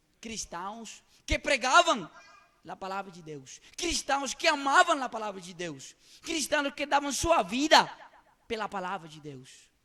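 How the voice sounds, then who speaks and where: Speaking at a fairly slow pace in a raised, projected voice, a man has an extremely high pitch, a bright, sharp tone, very wide pitch swings and big swings in loudness. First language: Spanish (speaking Portuguese). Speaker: preacher. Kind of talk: sermon.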